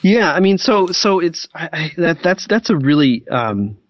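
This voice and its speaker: A man's voice: on the high side, sing-song, measured pace, dry recording, lo-fi sound. A man speaking casually as an interview guest, hesitant and often searching for words. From United States. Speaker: podcast guest.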